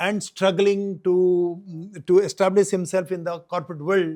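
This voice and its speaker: Speaking fairly slowly in a high voice, a man with an Odisha accent comes through on a very clean recording with a silent background. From Odisha, India. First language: Odia. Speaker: Mahabharata researcher and speaker. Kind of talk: podcast interview, storytelling. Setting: studio. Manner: halting.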